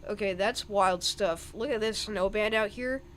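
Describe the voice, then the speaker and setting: A man's voice: high voice, measured pace, fairly bright tone, a little hiss or hum. A young man giving live weather commentary on a stream, thinking aloud over the radar with plenty of ums and restarts.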